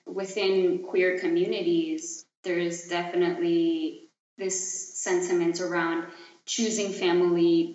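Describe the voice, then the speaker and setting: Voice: mid-range voice, a bit bright. A speaker in their late twenties from Chile, giving reflective, searching answers as an interview guest, often hesitant and trailing off. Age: late 20s. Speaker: podcast guest, artist and activist. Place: echoey room. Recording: dull, roomy lo-fi sound.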